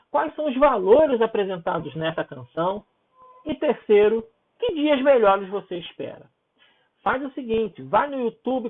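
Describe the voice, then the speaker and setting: Guy teacher going over homework, super casual, keeps going "right?", tinny phone-ish sound, voice swings up and down a lot. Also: high voice. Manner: informal, checks in with "né?" and "tá?". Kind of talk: recorded homework walkthrough for pupils.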